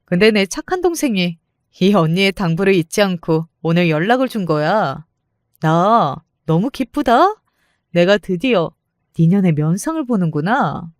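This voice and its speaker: A woman's voice: lowish voice, very animated, measured pace, no room sound, studio quality. A woman voicing a brash, foul-mouthed older sister who taunts and threatens in a dramatized story. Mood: gloating menace.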